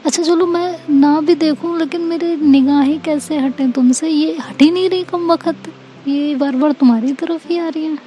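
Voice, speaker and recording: A woman's voice: high-pitched, fairly even intonation, normal speed, dark tone, slight background noise, voice pushed up, natural voice. Woman voicing Seerat, a smitten dreamy lover. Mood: lovestruck. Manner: poetic, lovestruck, flirtatious.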